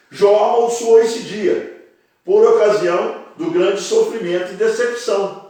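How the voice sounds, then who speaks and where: A man with a high pitch and very wide pitch swings, at a very slow pace, with audible room echo. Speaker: bible teacher. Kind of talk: bible lesson. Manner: halting, many fillers and repetitions.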